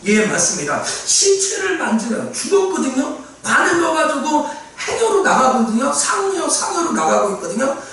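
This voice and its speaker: A male pastor preaching a sermon with emphasis, repeating key phrases and at times shouting. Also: extremely high pitch, very animated, moderate pace, hardly any pauses. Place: church sanctuary. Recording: echoey church hall from far off, faint ambience.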